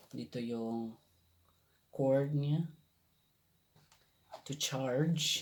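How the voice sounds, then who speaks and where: Very slow, medium-pitched male speech in fairly even intonation, broken by long, frequent pauses. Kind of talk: casual product review to camera.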